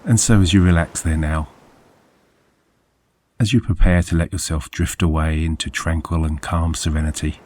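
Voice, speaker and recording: Guy with a low deep voice doing a sleep meditation, soothing, careful deliberate phrasing. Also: fairly even intonation, a little mellow, a little hiss or hum. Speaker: hypnosis and meditation guide. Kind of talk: guided sleep meditation, scripted narration.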